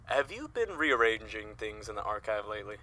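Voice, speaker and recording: Man playing bright, jovial, effusive office colleague. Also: on the low side, sing-song, fairly quick. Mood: cheerful. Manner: cheery, effusive, courtly. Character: jovial, folksy male newspaper office colleague. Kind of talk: audio drama dialogue.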